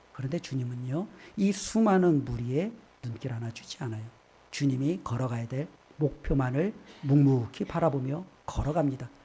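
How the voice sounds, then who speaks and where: Lively intonation marks this man's fairly high voice. It is somewhat breathy, with a dark, mellow tone. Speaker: pastor. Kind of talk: sermon. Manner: fast.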